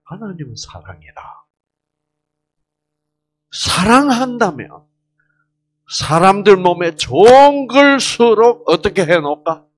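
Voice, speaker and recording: A man's voice: high voice, sing-song, takes it slowly, long pauses, no room sound. A man giving a health lecture to a live audience, quizzing the listeners with questions and jokingly slipping into regional dialects.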